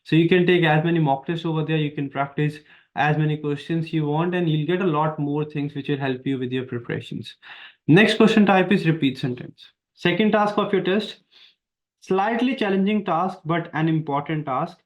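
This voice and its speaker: A man's voice: a little high, normal speed. A man with an Indian accent, an exam prep teacher explaining test tasks in an online lesson, speaking emphatically and repeating his key points. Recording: dull lo-fi sound.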